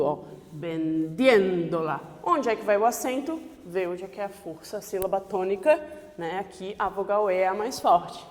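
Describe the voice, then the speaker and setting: A woman's voice: fairly high pitch, long reverb tail. A woman teacher explaining grammar step by step, often checking in with her students. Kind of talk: online classroom lesson.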